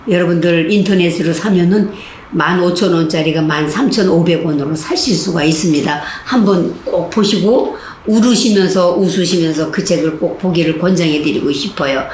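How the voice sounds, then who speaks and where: Speaking at a normal speed, an older Catholic nun tells animated stories in a lively laughter-therapy lecture, voicing inmates and guards with big pitch swings. The sound is echoey, recorded in a hall with faint noise.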